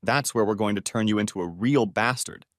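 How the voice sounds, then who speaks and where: A man voicing a confident young woman who plans a scheme, in a brisk, matter-of-fact way. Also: on the low side, no echo, clean studio sound, natural voice.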